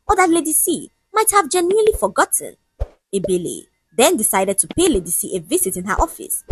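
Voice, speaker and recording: A woman narrating a scripted story in a dramatic, expressive way. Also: mid-range voice, breathy edge, dry recording, poor audio.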